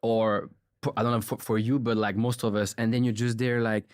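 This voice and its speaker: A man from Switzerland hosting a podcast, speaking in a relaxed, reflective way and asking long questions. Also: on the low side, a little fast, clear, resonant tone, no echo. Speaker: podcast host. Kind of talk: interview conversation.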